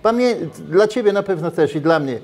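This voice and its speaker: Sitting high in pitch and running a little fast, the voice belongs to an older Polish ex-footballer being interviewed casually. He gestures, speaks with animation, and restarts often, picked up by a lapel mic in a restaurant with brick walls.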